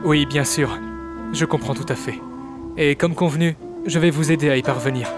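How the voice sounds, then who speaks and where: Game dub: courteous, affable young male retainer, acted by a man, lightly high-pitched, formal, articulate delivery over music. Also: fairly even intonation, moderate pace, close to an everyday voice. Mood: courteous, friendly. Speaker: amateur voice actor dubbing a game character. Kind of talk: scripted game dialogue dub.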